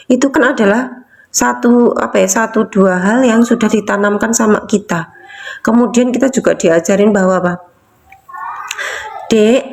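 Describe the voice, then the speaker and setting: Woman coach, casual talk, fairly high voice, keeps asking rhetorical questions. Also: a little mellow. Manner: repetitive, asks rhetorical questions. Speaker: emotional release coach. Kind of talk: casual teaching talk to viewers.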